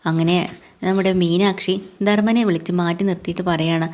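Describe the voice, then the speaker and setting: Quick, chatty woman recapping a serial. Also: on the low side, fairly even intonation, darkish tone. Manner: chatty, tag-ending asides. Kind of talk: casual retelling of a TV serial episode.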